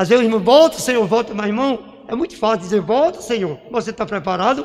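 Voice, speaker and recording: At a moderate pace, a man talks with a high pitch. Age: 60s. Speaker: church member sharing. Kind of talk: testimony.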